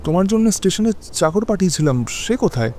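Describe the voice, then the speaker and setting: A brooding, anxious husband, bright-voiced. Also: male voice, high-pitched, animated, quick pace, a little hiss or hum. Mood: concerned, surprised. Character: anxious husband narrating his haunted stormy night. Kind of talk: first-person horror audio drama narration.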